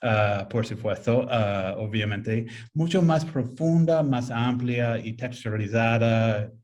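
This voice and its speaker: Male author on a video call, English native, halting and slow, full of ums. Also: mid-range voice, a little mellow. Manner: hesitant, many fillers and restarts. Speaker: author presenting his book. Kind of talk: casual virtual presentation.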